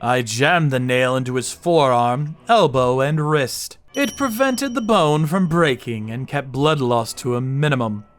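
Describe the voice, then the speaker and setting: A man giving scripted, dramatic first-person narration for a manga dub in a deliberate, grim manner. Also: medium pitch, lively intonation. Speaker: narrator and lead character, a torture sommelier.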